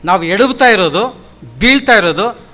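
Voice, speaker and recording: Give me a middle-aged man lecturing emphatically with repeated lists, in a high, bright voice. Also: expressive, normal speed, soft background music. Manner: emphatic, repetitive lists, mixes in English words. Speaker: professor giving a lecture. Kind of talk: motivational lecture.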